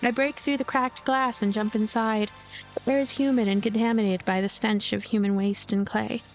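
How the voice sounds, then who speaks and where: A woman reading a game's story aloud as a let's play host, with expressive narration and casual asides. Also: mid-range voice, moderate pace, faint music behind, low-quality recording. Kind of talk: voiced narration with casual commentary.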